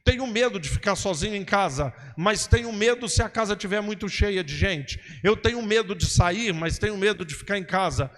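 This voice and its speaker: A man's voice: sits high, animated, brisk, few pauses, fairly bright tone, big-room sound. A male preacher teaching in a sermon style, asking and answering his own questions and checking in with "ok?" and "understood?". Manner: didactic, repeats "ok?" and "entendeu?", asks and answers his own questions.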